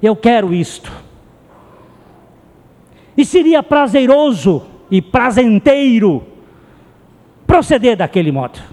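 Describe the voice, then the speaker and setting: In a long, reverberant hall, a pastor delivers an impassioned, story-driven sermon, driving points home by repeating phrases. His voice is very high, sing-song and mellow, slow with frequent pauses.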